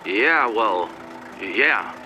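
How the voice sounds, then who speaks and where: A man voicing a naive, hesitant eighteen-year-old delivery helper with an American accent, speaking haltingly in story dialogue. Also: fairly low pitch, animated, pushed and bright, muffled recording, slight background noise, heavily acted. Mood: awkward. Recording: music behind the voice.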